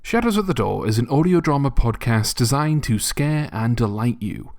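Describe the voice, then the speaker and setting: A man reading a scripted podcast introduction as host, in a measured, polite manner. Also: medium pitch, animated, darkish tone, a little hiss or hum. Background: guitar music.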